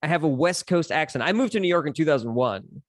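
A stand-up comedian in his forties from Los Angeles, with an American accent, is a podcast guest telling personal stories candidly and articulately in casual conversation. He talks fast and expressively in a slightly high voice, with clean studio sound and no room echo.

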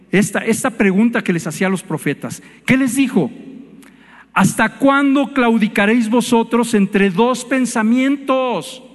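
A man's voice: high voice, a little mellow, long reverb tail. A man preaching a sermon in a conversational way, asking his congregation questions.

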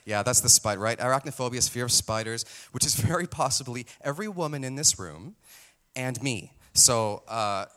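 Man preaching, lively pitch, relaxed chatty sermon, self-deprecating, lots of fillers. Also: normal speed. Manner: casual, self-deprecating, animated delivery with fillers. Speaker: pastor. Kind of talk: conversational sermon. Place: church hall with audience.

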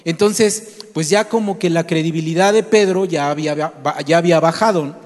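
A man's voice: on the high side, moderate pace. A man preaching a sermon, telling a story and asking his listeners direct questions. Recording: long hall reverb.

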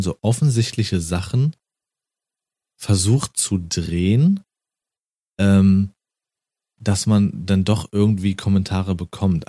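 A man's voice: sits low, mellow, no room sound, studio quality. A man chatting casually on a podcast, blunt and fond of swearing, often laughing. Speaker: podcast co-host.

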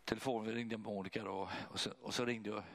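A man preaching, telling a personal testimony in an animated way and acting out what others said. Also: lowish voice. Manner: animated, acts out voices of others. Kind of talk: testimony storytelling.

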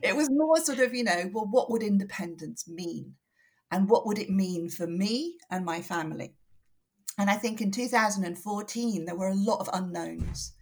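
A woman academic giving explanatory interview answers in a measured, analytical way, correcting herself as she goes. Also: medium pitch, expressive, darkish tone, husky. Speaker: academic researcher, interview guest.

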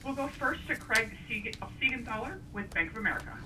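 A woman's voice: fairly high pitch, lively intonation, a little fast. A woman making scripted announcements as a conference call operator. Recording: noisy, distant phone-line sound.

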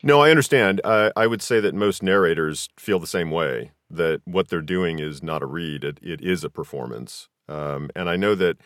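A man hosting a conversational interview, speaking in a measured, deliberate way as he lays out long questions. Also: low voice, a bit bright, dry recording, clean studio sound. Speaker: podcast host and interviewer.

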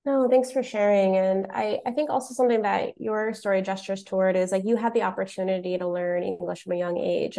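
Creaky-voiced woman moderating a discussion. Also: mid-range voice, mellow. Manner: thoughtful, checks in with "right?". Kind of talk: conversational panel moderating.

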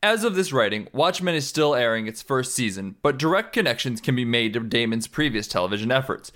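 A man's voice: medium pitch, lively intonation, brisk, fairly bright tone. A man narrating a written article as a scripted essay reading.

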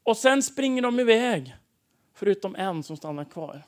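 Animated male preacher telling stories. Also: high-pitched. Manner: animated, acts out dialogue in stories. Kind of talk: sermon testimony storytelling.

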